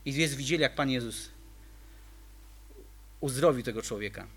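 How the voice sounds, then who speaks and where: A man's voice: medium pitch, moderate pace, a bit bright, slightly rough. A man preaching a sermon, emphatic and full of rhetorical questions to the congregation.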